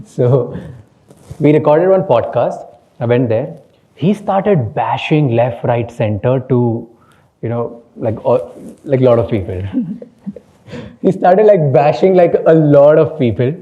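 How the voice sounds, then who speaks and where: A man's voice: medium pitch, animated, takes it slowly, narrow, tinny audio. A man with an Indian accent whose first language is Hindi, a podcast host speaking candidly on a panel, slipping between English and Hindi and laughing often. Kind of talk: panel talk.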